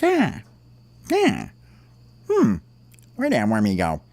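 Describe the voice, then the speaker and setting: A man's voice: medium pitch, huge pitch swings, slow, a little mellow, dry recording, exaggerated voice. A man voicing a big black menacing crow who mutters as he hunts, in a children's story. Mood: searching, hungry.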